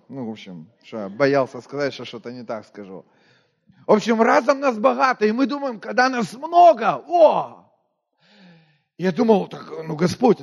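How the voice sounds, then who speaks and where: A man from Moldova preaching a sermon in a conversational way, asking his listeners questions and often dropping to a quiet voice. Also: high voice, gravelly, lo-fi sound. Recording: long hall reverb.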